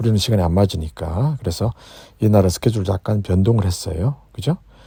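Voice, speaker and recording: This man talks at a fairly quick pace in a fairly low, somewhat breathy voice. His tone is dark and mellow, with ordinary pitch variation. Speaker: travel vlogger. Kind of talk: travel vlog narration. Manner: halting, many filler sounds.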